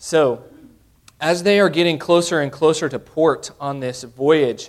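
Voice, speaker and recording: Speaking at a fairly slow pace, a man with a fairly high pitch has a plain, everyday voice. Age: 30s. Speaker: pastor. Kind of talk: sermon.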